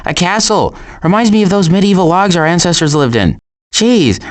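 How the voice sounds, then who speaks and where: A man voicing a cautious, anxious adult male turtle in an animated video game, fretful and wry with deadpan sarcasm and stammers. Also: high voice, close to an everyday voice.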